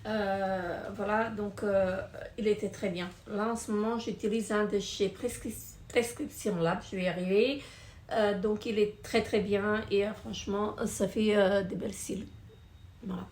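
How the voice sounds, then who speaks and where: A woman's voice: medium pitch, fairly even intonation, measured pace, darkish tone. A middle-aged woman casually reviewing finished beauty products, hesitant, with many fillers and repeated words. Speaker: beauty vlogger. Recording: echoey room with faint noise.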